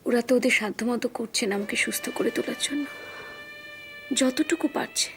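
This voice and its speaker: Weary Bengali hospital patient, quiet, raised pitch, gravelly tone. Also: female voice, brisk, faint music behind. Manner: quiet, subdued, melancholy speech. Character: weary young woman hospital patient, brooding. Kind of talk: TV serial drama acting.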